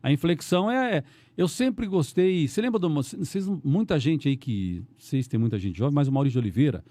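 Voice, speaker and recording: A middle-aged Brazilian man, a radio announcer, chatting on a podcast in a rambling, animated way with many restarts. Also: on the high side, brisk, dry recording. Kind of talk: casual podcast conversation.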